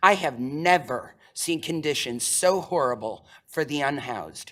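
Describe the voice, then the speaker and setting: This woman's voice shows ordinary pitch variation. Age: 60s. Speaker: public commenter, unhoused resident. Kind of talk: public comment at council meeting. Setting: city council meeting.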